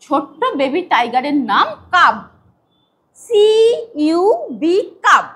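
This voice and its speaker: A high-voiced woman teaching a demo class for small children. Her voice swoops up and down in a singsong, coaxing way. She spells English words out letter by letter. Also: very animated, slow pace, pushed and bright. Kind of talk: demo lesson to young children.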